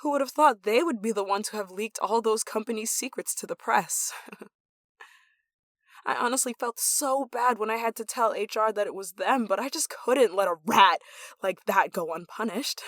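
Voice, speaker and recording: A woman playing an obsessive, possessive lover in an intimate ASMR roleplay, sweetly menacing and breathy. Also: a little high, moderate pace, a bit bright, no room sound, studio quality, close to an everyday voice. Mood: smug, scheming. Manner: breathy sighs and chuckles, dropping to whispers.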